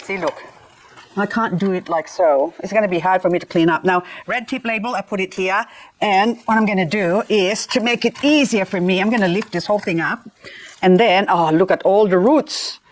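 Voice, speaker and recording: In a rough recording, a gardening vlogger with a medium-pitched voice speaks at a moderate pace while repotting succulents. She's a middle-aged woman raised in the Philippines, chatty and playful, with self-mocking asides throughout this casual vlog.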